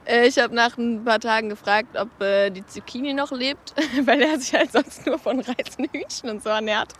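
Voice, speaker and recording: A woman's voice: on the high side, fairly even intonation, normal speed. A woman casually telling a personal story, recorded as an amateur voice message. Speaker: listener sending in a story.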